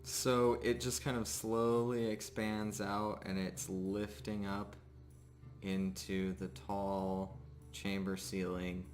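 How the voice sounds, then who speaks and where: A man working as game master, improvising descriptive narration for a tabletop game in a relaxed, pausing way. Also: on the low side, soft background music.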